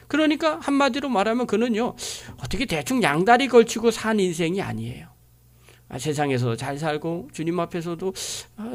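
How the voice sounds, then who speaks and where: A woman pastor delivering a sermon, driving her points home with frequent rhetorical questions. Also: mid-range voice.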